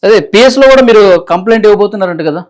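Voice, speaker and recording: A woman's voice: medium pitch, rapid-fire, darkish tone. A woman interviewing someone over the phone, politely putting questions and prompting with short acknowledgements. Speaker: interviewer, reporter.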